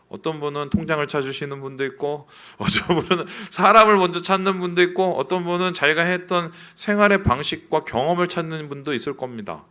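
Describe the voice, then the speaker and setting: Pastor guy preaching in church, voice jumps all over, bright and punchy, keeps quizzing the crowd. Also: fairly high pitch. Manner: animated preaching with rhetorical questions to the congregation; acts out quoted complaints in a raised voice. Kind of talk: sermon. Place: church sanctuary.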